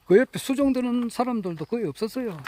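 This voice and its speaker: A man's voice: extremely high pitch, expressive, fast, darkish tone. A man talking in a casual, rambling monologue. He chuckles often and speaks in a folksy, earnest way. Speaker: political supporter speaking to camera.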